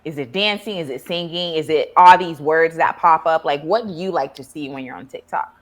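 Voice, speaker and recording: Hosting a relaxed interview, this therapist and podcast host from Ghana poses friendly questions and breaks into laughter readily. She speaks fairly quickly in a voice that sits low.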